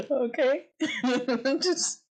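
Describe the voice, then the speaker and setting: A woman's voice: high-pitched, drawn-out words. A woman in a tabletop role-playing game, thinking aloud in a hesitant way.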